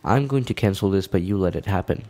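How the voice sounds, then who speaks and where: A man's voice: sits low, fast, darkish tone. A man narrating a casual step-by-step tech tutorial in an informal, explanatory way.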